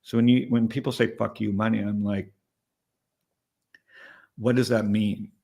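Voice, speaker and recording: A man's voice: fairly low pitch, little pitch movement, a little slow, vocal fry, dark tone. A man in his late fifties, an investor giving a candid, rambling interview, often checking in with "right?". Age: 50s. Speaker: startup investor and interview guest. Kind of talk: casual interview conversation.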